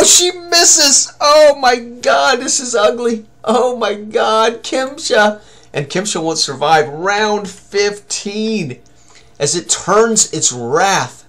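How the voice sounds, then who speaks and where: A man's voice: on the high side, fairly bright tone. An older man thinking aloud as game master, narrating a tabletop combat tutorial with dramatic turns of phrase. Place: small room indoors at a computer.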